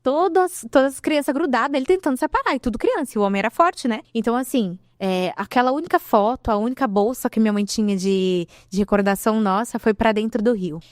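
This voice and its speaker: A fast-talking woman with a somewhat high voice tells an emotional personal testimony, acting out remembered dialogue with lively, animated delivery. The sound is dry and close. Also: no echo. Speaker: guest giving a testimony.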